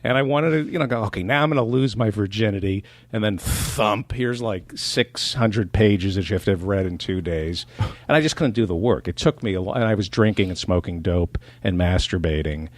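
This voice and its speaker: A middle-aged man from New Jersey, a comedian guest on a casual podcast, trading sardonic, self-mocking jokes in a dry deadpan. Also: lowish voice, moderate pace, dry recording.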